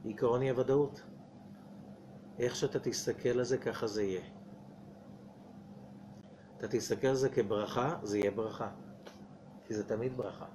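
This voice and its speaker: A man's voice: medium pitch, steady tone, pauses often, background noise. A man, a rabbi giving a weekly Torah portion lecture. He asks the audience rhetorical questions and acts out little dialogues. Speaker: rabbi teaching Kabbalah.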